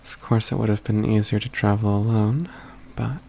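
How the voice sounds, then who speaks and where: A man playing an aloof, proud mage companion in a soft, intimate ASMR roleplay, with formal, measured phrasing and dry teasing. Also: lowish voice, steady tone, creaky, slight background noise. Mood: aloof, dryly amused. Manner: formal, measured, haughty phrasing with hushed stretches.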